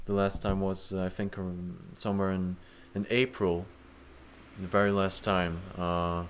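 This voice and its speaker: A man's voice: low voice, level tone, measured pace, slight background noise. A young man hosting an improvised chat, rambling with fillers and restarts and swearing casually. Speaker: host.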